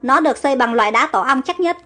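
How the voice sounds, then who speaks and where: A woman's voice: high voice, expressive, fast talker, sharp tone, faint music behind. A woman voicing a cruel, suspicious king who speaks harshly and gives orders. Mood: domineering. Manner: domineering, harsh.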